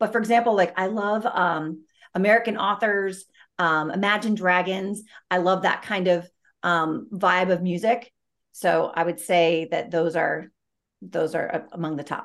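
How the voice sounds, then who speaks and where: Medium-pitched and moderately paced, a woman's voice: an ordinary speaking voice with ordinary pitch variation. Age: 50s. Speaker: entrepreneur and mom. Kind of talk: interview.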